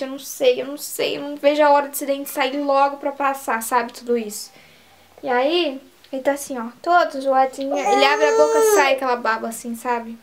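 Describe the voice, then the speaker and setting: High-voiced chatty mom vlogger. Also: female voice, a little hiss or hum. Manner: chatty, coos and sings to her baby. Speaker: vlogger mother. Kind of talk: casual vlog to camera. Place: bedroom at home.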